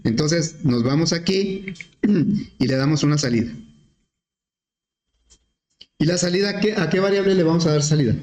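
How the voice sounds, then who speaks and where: Man, programming teacher, patient step-by-step questions, somewhat high voice, echoey room. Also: animated, normal speed, pauses often, darkish tone. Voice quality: clears his throat often. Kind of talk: screen-recorded class explanation.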